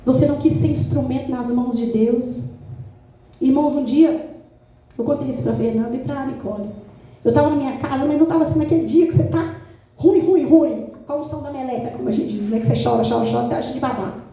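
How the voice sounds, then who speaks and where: Animated woman preaching in echoey church. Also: high-pitched, fast talker. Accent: Brazilian Portuguese. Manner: animated, acts out her own dialogues with God. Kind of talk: sermon. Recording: echoey church hall from far off.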